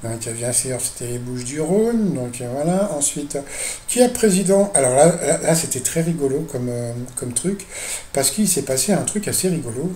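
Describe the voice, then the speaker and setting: A man's voice: on the high side, expressive, normal speed, dark tone, a little hiss or hum. A man giving casual, mocking commentary on a TV quiz show for his video channel, hesitating often with fillers. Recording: echoey room.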